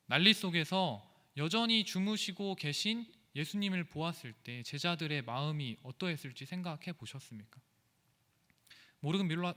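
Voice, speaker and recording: A man's voice: a little high, fairly bright tone. A man preaching a sermon earnestly, asking rhetorical questions, in an echoey church sanctuary.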